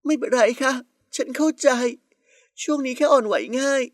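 Sweet weepy young girl rival, woman putting it on, higher voice, soft and sugary. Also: steady tone, quick pace, no echo, clean studio sound, close to an everyday voice. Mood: tearful pleading. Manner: soft, sugary, teary pleading. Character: young woman, fragile newcomer, sweetly tearful.

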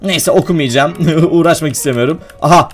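A young man playing a video game and commenting to his viewers, excitable and quick to get worked up when the game goes wrong. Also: on the high side, soft background music. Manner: excitable, addresses viewers as friends, gets worked up at traps. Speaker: gaming YouTuber.

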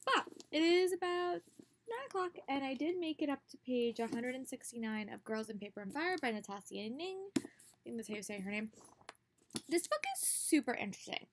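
A woman's voice: high voice, lively intonation, brisk, slight background noise. A young woman and teacher talking casually in a reading vlog, chatty with many fillers and restarts, recorded on a laptop webcam in a small bedroom. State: slightly hoarse from a cold. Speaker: book vlogger and teacher. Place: small bedroom with bookshelves and posters. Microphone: laptop webcam at close range.

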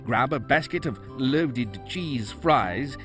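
A man playing an earnest, upbeat pitchman in a parody radio commercial. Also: lively intonation, slow pace, a bit bright, soft background music. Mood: upbeat, salesy.

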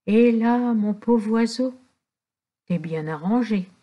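A woman's voice: a little high, slow. Figure: a woman voicing a kind old countrywoman. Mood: tender. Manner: scolding, then gently welcoming. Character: kind old countrywoman, good-hearted but quick-tempered.

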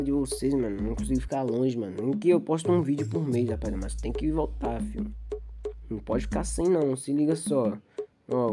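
A young Brazilian man with a Brazilian Portuguese accent casually narrating his gameplay, rambling in street slang and hyping up his viewers. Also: medium pitch. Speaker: gaming YouTuber. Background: game music.

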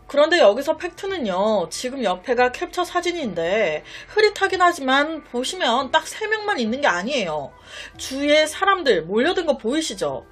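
Woman storyteller, high and very lively voice, chatty and dramatic, faint music underneath. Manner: chatty, dramatic, addresses viewers directly. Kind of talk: casual true-story narration.

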